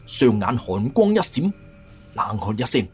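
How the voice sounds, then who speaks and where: A man's voice: mid-range voice, very animated, unhurried, a little mellow, soft background music. A man with a Cantonese accent narrating a fantasy novel in a dramatic, scripted audiobook style.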